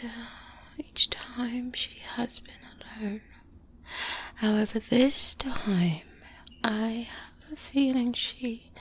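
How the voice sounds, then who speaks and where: In a soft-spoken ASMR roleplay, a woman with a fairly high voice plays a calm, cautious, seasoned vampire hunter mentoring a trainee. She whispers softly and breathily, slow and hesitant, with murmured pauses and hums. It's recorded close-up on a binaural microphone, with clear background noise.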